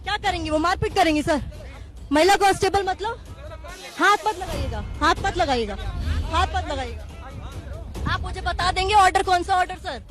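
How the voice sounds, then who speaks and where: A woman's voice: extremely high pitch, normal speed, long pauses, fairly bright tone, faint music behind, some chatter behind. A woman field reporter reporting on the spot, pleading and insistently repeating her demands, with a dry throat.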